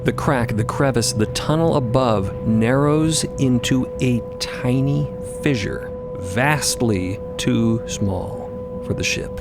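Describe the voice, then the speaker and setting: A man's voice: medium pitch, wildly swooping pitch, slow pace, music in the background. A man narrating an adventure story for a fiction podcast, dramatically and in the present tense.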